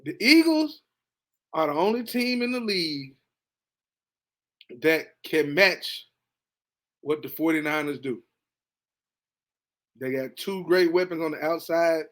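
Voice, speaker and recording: A man hosting a podcast, reacting casually to a football game, animated and talkative, dropping to low mutters and jumping to excited high bursts. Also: takes it slowly, pauses often. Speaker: podcast host. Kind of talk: casual sports reaction monologue.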